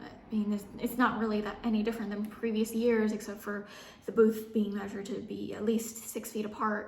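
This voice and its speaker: A woman speaks at a fairly quick pace in a monotone, flat intonation, with noticeable background noise and audible room echo. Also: fairly high pitch for a woman. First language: not English. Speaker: YouTuber, poll worker. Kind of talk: casual explainer vlog. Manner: halting, many fillers.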